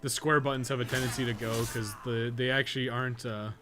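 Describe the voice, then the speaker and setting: A man's voice: medium pitch, steady tone, fast. A man giving casual live gameplay commentary, rambling and thinking aloud with casual swearing. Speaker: game streamer and podcast co-host.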